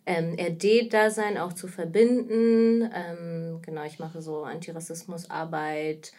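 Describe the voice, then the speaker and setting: A Kazakh woman in her thirties, a native Russian speaker, appears as a guest on a podcast in a casual interview, speaking German with a Russian accent. She is an anti-racism activist and trainer. Her voice is low-ish, steady, slow, and dark.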